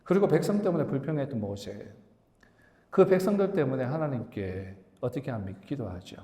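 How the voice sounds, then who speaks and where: A man's voice: medium pitch, animated, a little fast, dark tone. A middle-aged man preaching a sermon to his congregation, talking to them directly and acting out the complaints of Bible figures. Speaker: pastor. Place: church sanctuary. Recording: echoey church hall with long reverb.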